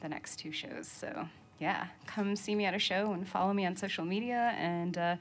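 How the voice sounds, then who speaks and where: A woman's voice: mid-range voice, normal speed. A young adult woman from Maine, a musician chatting casually in an interview, laughing often and filling her talk with "like" and "um". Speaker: musician guest.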